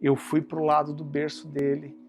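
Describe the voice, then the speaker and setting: A man with a Brazilian Portuguese accent preaching a sermon, telling warm family stories that he turns to a solemn point, often calling his listeners brother. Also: completely flat delivery, normal speed, creaky, faint music behind. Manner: drops low and soft for solemn points. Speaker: pastor.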